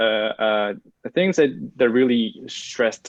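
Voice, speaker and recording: With a Korean accent, a man talks at a moderate pace, his pitch varying in an ordinary way. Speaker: actor. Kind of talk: interview.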